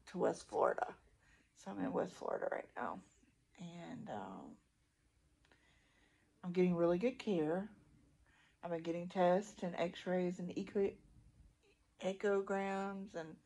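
A middle-aged woman talks casually to her phone while lying in a hospital room. Her voice is husky, with plenty of creak at a medium pitch. She rambles through a personal update in an informal vlog style. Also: darkish tone. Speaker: vlogger. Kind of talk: casual chat to camera. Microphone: phone at arm's length.

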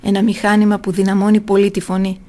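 A woman's voice: medium pitch, monotone, dark tone, close to an everyday voice. A woman voicing an eager, fawning male blacksmith who explains his invention to a ruler. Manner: ingratiating, explaining keenly.

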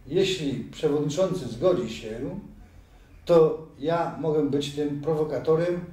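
A man voicing a sly, scheming male judge who plots and persuades, with slow, hesitant wheedling, in an amateur audio drama reading. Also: fairly high pitch, mellow, close to an everyday voice. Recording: very echoey room, far from mic.

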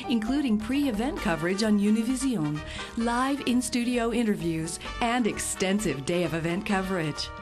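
A woman reading scripted narration for a corporate promotional video in an upbeat, polished manner. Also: medium pitch. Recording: voice-over with loud music behind.

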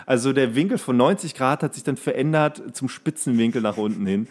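A man chatting casually as a podcast host, telling anecdotes in a halting way and often correcting himself. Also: mid-range voice, a little mellow. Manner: halting, self-correcting storytelling. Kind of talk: casual chat, rambling anecdote.

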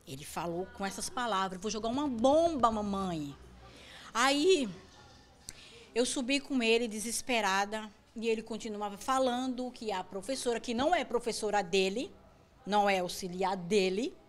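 A woman's voice: mid-range voice, moderate pace. A woman, a mother, recounting in an urgent interview testimony, quoting her son.

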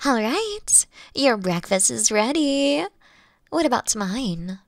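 A woman's voice: fairly high pitch, very animated, slow, no echo, studio quality, heavily acted. A woman voicing a playful, affectionate young fox-witch girlfriend in an intimate roleplay audio, with cooing, teasing delivery. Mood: sweet, affectionate.

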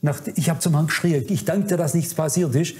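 A man delivers a conference sermon in a noticeably high voice. He is fervent and admonishing, speaking directly to his listeners to warn and exhort them. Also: fairly quick, warm tone. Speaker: preacher. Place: conference hall.

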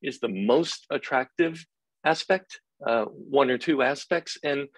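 A man's voice: mid-range voice, no room sound, poor audio. Polite middle-aged man moderating a webinar. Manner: polite, measured, with fillers. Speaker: panel moderator. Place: office room, indoors.

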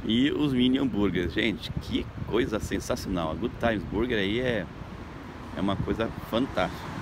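On a seaside boardwalk at sunrise, a Brazilian tour guide vlogger narrates casually at a moderate pace, chatty and upbeat, addressing his viewers directly. His voice sits slightly low. He's filmed outdoors on a phone, with passing traffic and street noise clearly audible.

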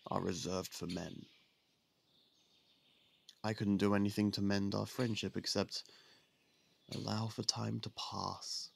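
A man voicing a young royal prince in an ASMR roleplay, candid and persuasive, who confides in a soft, hushed way. His voice sits fairly low and is heavily gravelly with vocal fry. A faint hiss of noise lies underneath. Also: heavily acted. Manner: soft-spoken, confiding, with some hushed whispers. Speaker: voice actor.

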